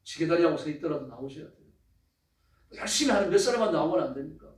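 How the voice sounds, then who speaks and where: A man's voice: a little high, lively intonation, quick pace. A male pastor preaching a sermon with emphatic, rising exclamations. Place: church sanctuary. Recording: echoey church from a distance.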